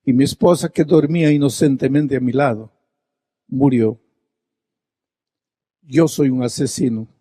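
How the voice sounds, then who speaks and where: A male preacher voicing a broken, grieving middle-aged man who speaks in a quiet, halting, mournful way. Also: medium pitch, fairly even intonation, dry recording, studio quality, natural voice.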